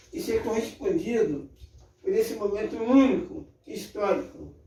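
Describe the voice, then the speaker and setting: Audible room echo carries a man's extremely high voice as it makes very wide pitch swings. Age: 60s. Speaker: samba veteran. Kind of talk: interview.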